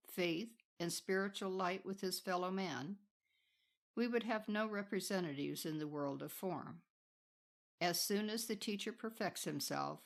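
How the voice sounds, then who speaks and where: A woman narrates a spiritual audiobook in a slightly low voice with a noticeable creak. Her phrasing is solemn and deliberate, set out in measured pieces as a scripted reading.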